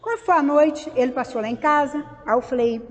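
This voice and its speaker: An older woman shares a personal testimony before a spiritist congregation. Her voice sits somewhat high, and she brings her story to life by voicing each remembered exchange. The sound carries a long, lingering hall reverb. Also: fairly quick. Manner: animated storyteller who acts out remembered dialogue. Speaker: member giving a testimony at a spiritist public meeting. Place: meeting hall of a spiritist center.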